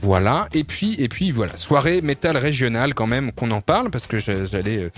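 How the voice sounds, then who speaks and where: A male radio host talks through the local listings from a studio mic, his voice sitting at an ordinary middle pitch. He stumbles and restarts often, filling gaps with fillers, and slips in small jokes along the way. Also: animated, fairly quick. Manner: loose, hesitant, many fillers, jokey. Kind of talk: casual radio chat and listings.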